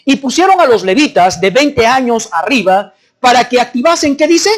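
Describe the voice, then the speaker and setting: A male pastor preaching and reading scripture aloud, stopping often to ask the congregation what the text says, his delivery swinging between raised and hushed. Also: very high voice, sing-song, normal speed. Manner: prompts the congregation with repeated questions.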